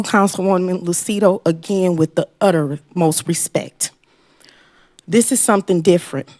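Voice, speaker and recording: A woman with a fairly low voice delivers a podium speech during public comment. She speaks as a resident addressing officials directly, with the apologetic, careful manner of someone unused to public speaking. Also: a little mellow, dry recording, clean studio sound. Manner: halting, apologetic, self-described inexperienced public speaker. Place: council meeting room, at a podium.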